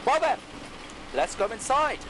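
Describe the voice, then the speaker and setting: A man's voice: extremely high pitch, big pitch swings, measured pace, a bit bright, slight background noise, exaggerated voice. An actor playing a polite, loyal clockwork man who explains things formally in an audio drama. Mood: bold, obliging. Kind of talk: scripted audio drama acting.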